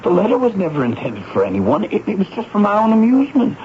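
Cringing young soldier-spy, radio drama: stammering, widely varied pitch, hesitant. Dull, hissy vintage broadcast. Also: male voice, huge pitch swings, fast talker. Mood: anxious denial. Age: young adult. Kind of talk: 1970s radio drama acting.

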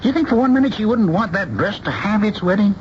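An actor playing an earnest, persuasive husband in a radio drama, arguing insistently with rhetorical questions. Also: male voice, high voice, lively intonation, fast. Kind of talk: vintage radio drama acting. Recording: dull, noisy old radio broadcast.

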